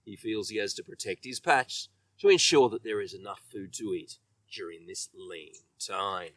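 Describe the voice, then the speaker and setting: A man reading a children's story with expressive, emphatic delivery, letting his phrase endings trail off. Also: on the low side, normal speed, dry recording, far from the mic. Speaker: children's author reading own book.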